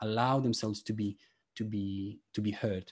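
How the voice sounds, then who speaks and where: With a Polish accent, a man speaks at a medium pitch in a dark, mellow tone with fairly even intonation against a quiet background. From Poland. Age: 30s. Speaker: feedback coach. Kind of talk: interview.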